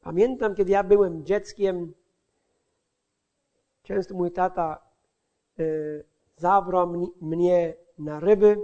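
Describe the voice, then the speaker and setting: A man with an unusually high voice shares his testimony as an evangelist. He speaks slowly and hesitantly, and he keeps pausing and restarting sentences as he hunts for the right words. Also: steady tone, mellow, lo-fi sound. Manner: halting, searching for words, many restarts. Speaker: street evangelist. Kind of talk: personal testimony in a sermon.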